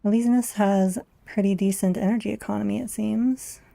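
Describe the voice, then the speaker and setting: A young woman streamer talks through her game in a wry, musing, half-to-herself way. Her voice is soft and mellow with a gravelly, fry-tinged edge. The sound is close and dry, with no room around it. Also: mid-range voice, steady tone, a little fast, no room sound. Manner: wry, musing aloud while playing. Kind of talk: casual gameplay commentary.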